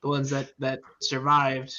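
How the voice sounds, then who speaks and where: A man's voice: mid-range voice, completely flat delivery, unhurried, pushed and bright. A man playing in a tabletop game, chatting casually and laughing often. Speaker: player. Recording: dull lo-fi mic with faint noise.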